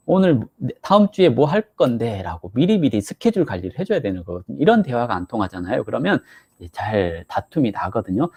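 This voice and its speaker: A man's voice: medium pitch, dark tone, husky. A man giving a live-streamed fortune-telling lesson, explaining patiently and acting out quarrelling couples. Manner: explanatory, acts out couples' quarrels in quoted voices. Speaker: saju fortune-telling teacher.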